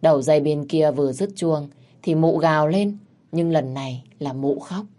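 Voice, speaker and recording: Woman storyteller, low voice, vivid mocking colloquial narration. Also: moderate pace, dark tone.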